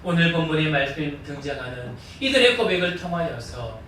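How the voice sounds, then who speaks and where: A man's voice: on the high side, animated, brisk, a bit bright, slight background noise. A man pastor preaching a sermon in a church, leading the congregation in call-and-response. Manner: earnest preaching with repeated call-and-response prompts. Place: church sanctuary. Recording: echoey church hall, distant mic.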